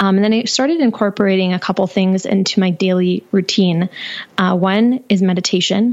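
A woman speaks at a medium pitch with fairly even intonation. Her loudness stays very even. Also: fairly quick pace. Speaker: online business teacher and entrepreneur. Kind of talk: interview conversation.

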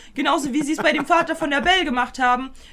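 The voice is raised and projected, with a bright, sharp tone. It sounds animated throughout. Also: woman. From German small town. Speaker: podcast co-host, streamer. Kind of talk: casual chat.

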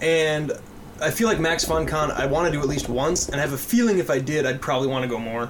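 A man with a fairly high voice talks at a very fast pace, with noticeable background noise and audible room echo. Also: ordinary pitch variation. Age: 30s. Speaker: podcast guest, father. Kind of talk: casual chat.

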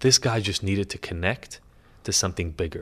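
A man speaks at a fairly quick pace. His fairly low voice is somewhat breathy. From Israel, moved to Chicago suburbs as teen. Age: 40s. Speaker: addiction expert and author. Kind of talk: interview.

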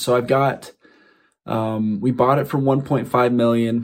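An unremarkable speaking voice from a man with an American accent, medium-pitched, at a moderate pace with ordinary pitch variation. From US West. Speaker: real estate developer. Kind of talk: recorded listener question.

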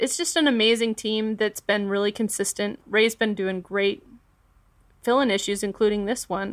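A woman with an American accent and a plain, everyday voice speaks at a moderate pace in a fairly high pitch with fairly even intonation. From Denver, Colorado. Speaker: comic book artist. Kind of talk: interview.

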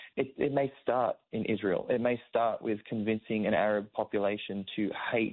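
A man talks in an Australian accent. His voice sits fairly low. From Australia, Sydney. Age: 40s. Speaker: actor. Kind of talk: interview.

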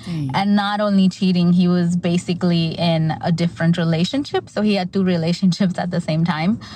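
Against noticeable background noise, a woman with an American accent speaks at a medium pitch with ordinary pitch variation. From New York City. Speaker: listener. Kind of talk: testimony. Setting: recorded voice message.

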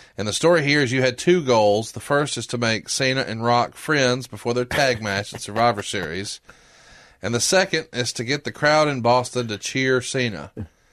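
Speaking at a moderate pace, a man with an unremarkable speaking voice keeps a medium pitch and varies it in an ordinary way. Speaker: podcast host. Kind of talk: casual chat.

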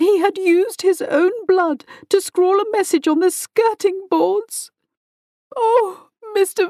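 At a very slow pace, a woman speaks at an extremely high pitch with a dark, mellow tone, ordinary pitch variation and very even loudness, the sound dry and close with no echo. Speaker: audiobook narrator. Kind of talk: dramatic character reading. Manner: distraught, horror-struck delivery.

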